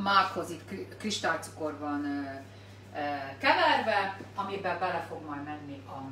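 A woman's voice comes through audible room echo and noticeable background noise. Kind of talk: cooking tutorial live stream. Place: kitchen.

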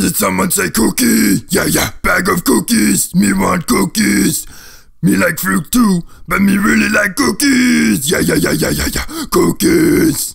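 Pitched fairly high, a man speaks in a put-on character voice. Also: fairly slow pace. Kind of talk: broken "me" grammar. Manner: excited, greedy.

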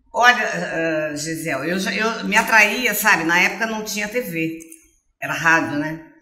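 Speaking fairly slowly at a medium pitch, a woman's voice comes with audible room echo. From Brazil, Santa Bárbara d'Oeste, São Paulo state; São Paulo state, Brazil. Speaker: journalist. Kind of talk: interview. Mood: warm, nostalgic. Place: studio. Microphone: lapel.

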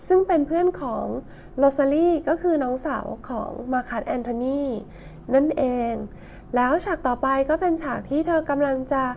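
Speaking with ordinary pitch variation, a woman's voice sits high in pitch. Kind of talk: audiobook reading of a romance novel.

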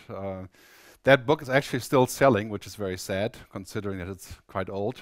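Against a quiet background with a dry sound and no echo, a man talks at a moderate pace with ordinary pitch variation. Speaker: conference speaker. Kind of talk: keynote talk. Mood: relaxed, humorous. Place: hall. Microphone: headset.

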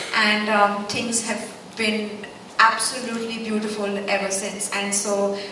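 Over light background noise and audible room echo, a woman speaks with fairly even intonation. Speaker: event host or moderator. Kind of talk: introduction speech. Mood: warm, grateful. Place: hall.

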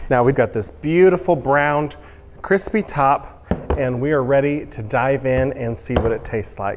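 Noticeable background noise sits under a man with an American accent. He talks at a moderate pace with ordinary pitch variation. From US Midwest. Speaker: cooking video host. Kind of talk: cooking tutorial. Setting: studio kitchen. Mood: warm, upbeat. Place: kitchen.

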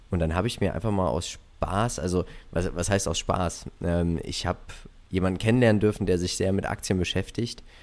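This man has a very deep, low voice. He talks at a fairly quick pace with fairly even intonation. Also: very clean recording, silent background. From Germany, childhood partly in Canada and USA. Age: 20s. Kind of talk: interview.

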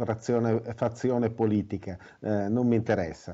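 In a quiet setting, a man speaks with a dark, mellow tone. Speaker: environmental association mobility manager. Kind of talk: interview. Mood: earnest, mildly argumentative. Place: home room. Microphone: video call.

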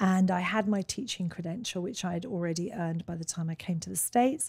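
A woman speaks in a somewhat breathy voice with a dark, mellow tone and fairly even intonation. The sound is dry with no echo, over a quiet background. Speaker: podcast guest. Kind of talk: interview answer. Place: studio. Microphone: studio mic.

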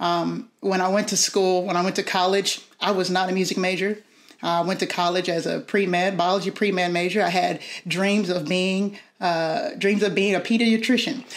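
A woman with an American accent speaks at a moderate pace with fairly even intonation. Her loudness stays very even. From US South. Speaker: band director. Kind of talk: panel discussion. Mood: warm, reflective. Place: home room. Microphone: webcam.

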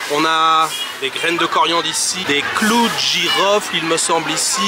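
Against loud background noise, a man speaks at a high pitch with ordinary pitch variation, and the sound is dry with no echo. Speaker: travel vlogger. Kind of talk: travel vlog narration. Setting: outdoors. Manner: animated. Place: market. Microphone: phone near.

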